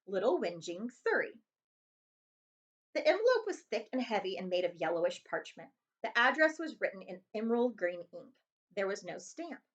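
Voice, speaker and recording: A woman librarian reading a children's novel aloud in an expressive storytelling style. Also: mid-range voice, muffled recording.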